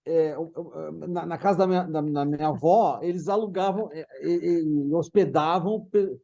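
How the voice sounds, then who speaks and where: Brazilian guy w a warm mellow voice, bit high, chatting about the past, keeps restarting. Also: highs cut off. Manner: halting, restarts phrases. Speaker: guest recalling a parent's career. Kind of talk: casual reminiscing conversation.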